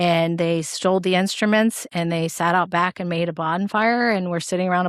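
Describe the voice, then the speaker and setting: A woman with a normal speaking voice talks at a moderate pace on a very clean recording with a silent background. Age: 60s. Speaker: physician assistant, podcast co-host. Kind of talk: personal testimony in casual conversation.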